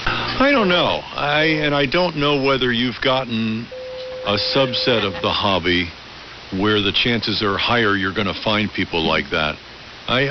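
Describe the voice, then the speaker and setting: A man's voice: on the low side, highs cut off. An articulate middle-aged man who talks in long, reflective, conversational transmissions as an amateur radio operator on AM. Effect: AM ham radio transmission. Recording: band-limited AM radio with loud hiss. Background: radio hiss.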